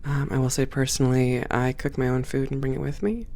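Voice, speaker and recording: A performer playing a friendly, composed female hangar supervisor in an ASMR roleplay, speaking in a measured, welcoming and professional way. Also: medium pitch, steady tone, dark tone, close to an everyday voice. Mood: reassuring, instructive. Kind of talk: ASMR roleplay, one-sided conversation.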